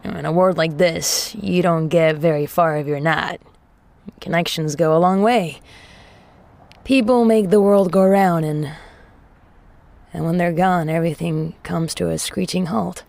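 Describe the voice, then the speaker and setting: Wry sociable sci-fi woman, really slow drawn-out talk, gravelly fry, musing to herself. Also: on the low side, steady tone, darkish tone, no echo. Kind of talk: audio drama monologue.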